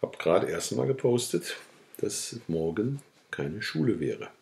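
A man's voice: on the low side, sing-song, unhurried, gravelly, darkish tone, a little hiss or hum. A man reading a novel aloud in a casual way, with chatty asides and now and then correcting a slip. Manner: chatty, joking asides, occasional self-corrections. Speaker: audiobook reader.

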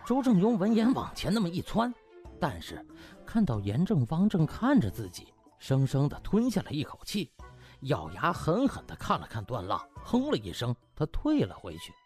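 A man narrating a comic audiobook in an animated storytelling style. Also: on the high side, normal speed. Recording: music bed behind.

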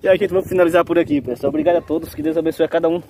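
A man's voice: a little high, fairly even intonation, very fast, over a noisy crowd. A man hosting a casual outdoor family vlog, playful and coaxing, now and then breaking into a sing-song street-seller's call. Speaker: vlog host.

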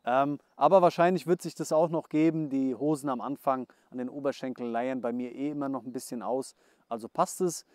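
A young man giving a casual outdoor gear review, chatty and hurried, with many hesitation fillers. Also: medium pitch, steady tone, darkish tone, no room sound, studio quality. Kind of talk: casual product review, voice-over then to camera. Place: outdoors at dusk.

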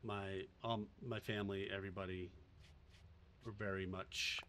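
A man's voice: sits low, level tone, moderate pace, a bit bright, a little hiss or hum. A man with a faint Boston accent, casually thinking aloud and chatting with viewers while streaming a game. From Boston area. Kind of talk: casual live-stream commentary.

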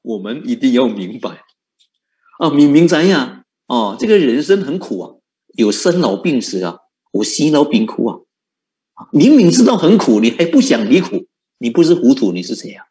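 A man's voice: mid-range voice, big pitch swings, normal speed, warm tone. A man giving a Buddhist sermon, coaxing his listeners with repeated rhetorical questions and frequent chuckles. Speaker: Buddhist monk teaching.

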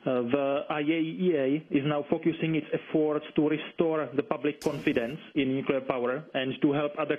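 A man gives explanatory interview answers over the telephone, phrasing carefully and hesitantly. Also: fairly high pitch. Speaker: interviewed environmental campaigner. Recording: dull, band-limited phone line.

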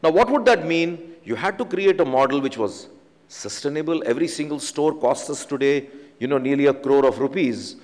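A man's voice: on the high side, animated, normal speed, a little mellow. A man in his forties with an Indian English accent, a company chief executive giving an earnest conference keynote from a podium, often saying "you know". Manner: earnest, emphatic business advice, frequent "you know" fillers. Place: large conference hall stage, at a podium. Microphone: podium microphone. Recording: reverberant conference hall.

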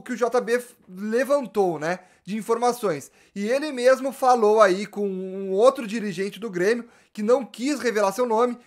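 High-voiced animated young man. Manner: animated, gesturing, slangy, frequent restarts. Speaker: football YouTuber. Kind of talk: casual fan commentary to camera. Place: small indoor room with gaming chair.

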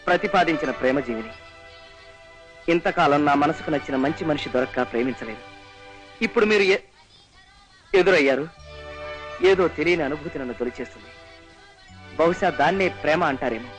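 A man acting an excitable young suitor in a comedy film, theatrical and exclamatory. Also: a little high, low-quality recording. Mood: earnest.

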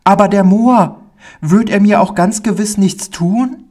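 A man's voice: animated, takes it slowly. A man putting on a shy little boy. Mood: overjoyed, stammering. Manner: high, pleading, childlike.

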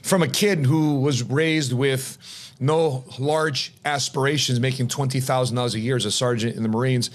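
A middle-aged man, a retirement planner, tells his story as an interview guest, animated and acting out quoted voices, in a home office on a podcast mic. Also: medium pitch, normal speed. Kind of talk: interview conversation. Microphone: podcast mic on boom arm.

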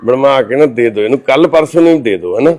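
A male charity volunteer at a care home, talking in a gentle, soothing and reassuring way. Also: mid-range voice, lively intonation, fast talker. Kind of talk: comforting, casual talk.

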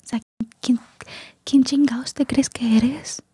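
Mujer haciendo de villana furiosa de telenovela susurrando. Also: female voice, high voice, steady tone, slow pace, dark tone, slightly rough, no echo, clean studio sound, voice pushed up, exaggerated voice. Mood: furious. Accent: put-on Mexican. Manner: whispered, dramatic insults. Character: furious melodramatic soap-opera woman.

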